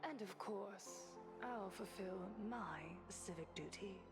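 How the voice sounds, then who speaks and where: A woman voicing a serene, fervent leader of a happiness cult in a video game, preaching in a measured, theatrical way. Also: medium pitch, loud music behind the voice, natural voice. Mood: polite, composed. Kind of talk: video game dramatic speech.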